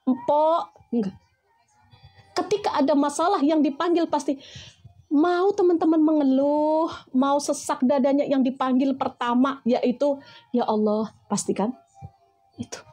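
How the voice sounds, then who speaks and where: A woman's voice: sits high, fairly even intonation, a little slow, long pauses, darkish tone, soft background music. A woman giving a motivational religious talk, calling listeners her friends and asking them rhetorical questions. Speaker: preacher.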